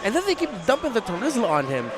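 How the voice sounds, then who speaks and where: Measured high-voiced Filipino esports analyst. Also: male voice, huge pitch swings. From Philippines.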